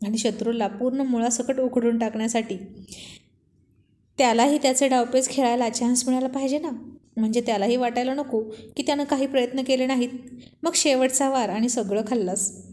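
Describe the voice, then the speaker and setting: A woman voicing a self-assured young husband in a storybook reading, speaking in a relaxed, teasing way. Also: a little high, fairly quick, close to an everyday voice. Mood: boastful.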